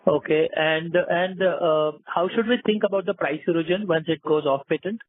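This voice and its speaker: Higher-pitched man on a phone line. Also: moderate pace. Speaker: financial analyst calling in. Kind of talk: asking questions on an earnings conference call. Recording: narrow telephone line.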